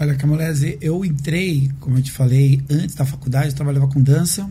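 There is audible room echo around a man whose fairly high, somewhat breathy voice has a dark, mellow tone and ordinary pitch variation. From Pernambuco, Brazil. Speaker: Pilates instructor. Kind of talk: casual interview.

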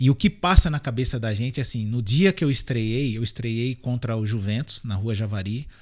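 A man talks at a moderate pace with hardly any pauses, in a plain, everyday voice of medium pitch and ordinary pitch variation. The recording is very clean, with a silent background. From interior of São Paulo state, Brazil. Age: 40s. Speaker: former professional footballer, coach. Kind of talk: testimony in casual interview.

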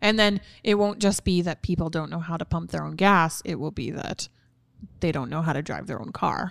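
A woman with a plain, everyday voice speaks at a fairly quick pace, her pitch fairly low and its variation ordinary, on a very clean recording with a silent background. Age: 30s. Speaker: podcast co-host. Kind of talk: casual chat.

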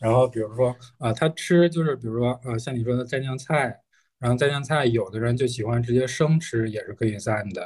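Somewhat breathy, a man at medium pitch talks at a fairly quick pace with ordinary pitch variation. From Northeast China (Liaoning). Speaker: programmer. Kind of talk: casual chat. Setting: podcast studio. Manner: halting, many fillers.

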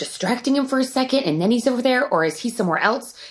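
In an American accent, a woman talks at a very fast pace with an animated tone and very wide pitch swings. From Rhode Island, US. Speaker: podcaster guest. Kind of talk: casual chat.

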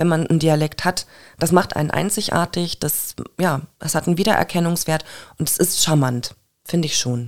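Here is an unremarkable speaking voice from a woman with a fairly low pitch. She speaks at a moderate pace with ordinary pitch variation. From Nordhausen area, Thuringia. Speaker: process manager and voice actor. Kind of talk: casual interview. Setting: studio.

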